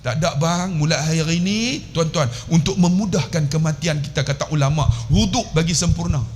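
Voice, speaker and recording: Malaysian male preacher, storyteller's energy, slightly high voice. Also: a little fast, slight background noise. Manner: lively storyteller, acts out voices and laughs. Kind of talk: mosque sermon with storytelling. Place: small mosque prayer hall.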